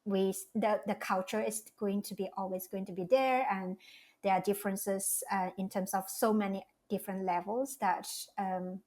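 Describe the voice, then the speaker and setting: A woman speaks at a middle pitch. She talks as a podcast guest, thinking aloud and circling back to rephrase her ideas. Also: fairly even intonation, normal speed, a little mellow. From Malaysia. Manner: reflective, speaks in loose restarting phrases. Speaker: guest, cultural strategist. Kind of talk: casual interview talk.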